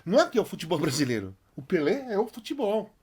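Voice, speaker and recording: A man's voice: high-pitched, very animated, fast, darkish tone, slightly rough. A man hosting a podcast, talking animatedly and emphatically in casual chat. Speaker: podcast host.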